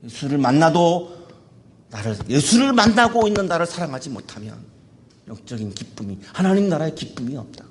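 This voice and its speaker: A male pastor preaching a sermon at a university chapel, animated and playful, acting out quotes and calling on listeners. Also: a little high, brisk, husky.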